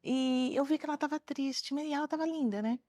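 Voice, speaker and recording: A woman's voice: high-pitched, fairly quick, no echo. A middle-aged woman, a retired teacher, telling stories in a TV studio interview. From Brazil. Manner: animated storyteller, acts out children's voices. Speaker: retired teacher and author, guest. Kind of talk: interview storytelling.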